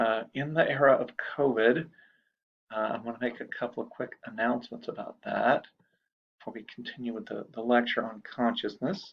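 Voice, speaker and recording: A soft-spoken man talks at a moderate pace with big swings in loudness. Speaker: professor. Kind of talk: lecture. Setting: home at night.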